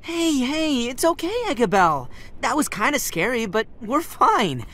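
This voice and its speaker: A man voicing a timid, earnest, excitable little furry creature in a cartoon video game, stammering and gushing. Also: very high voice, measured pace, full character voice. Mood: earnest, gentle. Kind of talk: animated video game character acting.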